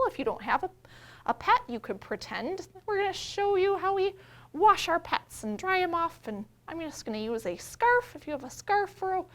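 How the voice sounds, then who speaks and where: Woman, children's librarian. High voice, simple child-directed talk, storytime read-aloud with drawn-out emphasis. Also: a bit bright. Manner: simple explanations, questions and invitations addressed to young children.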